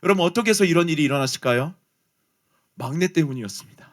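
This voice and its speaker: A man's voice: fairly high pitch, fast talker. A man preaching a youth sermon, telling a personal story and speaking straight to his listeners. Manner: animated storytelling, addresses listeners directly. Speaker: pastor.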